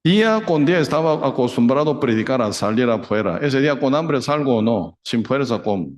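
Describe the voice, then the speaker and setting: A middle-aged pastor with a Korean accent delivers a sermon in halting, broken Spanish. He keeps checking in with his listeners through tag questions, and he raises his voice high and loud when he acts out a scene. His pitch sits at an ordinary middle level for a man. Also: lively intonation.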